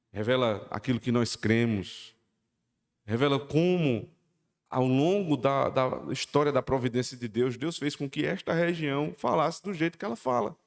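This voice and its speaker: A man preaching a sermon, animated, jumping between loud emphatic peaks and low quiet asides at a shifting pace. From Northeast Brazil. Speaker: pastor. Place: church sanctuary. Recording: long hall reverb.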